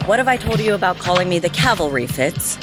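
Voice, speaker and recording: An actress playing a stern senior female field agent in an audio drama, curt, deadpan and commanding. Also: lowish voice, fast talker, over loud music, lightly acted. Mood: stern, brisk.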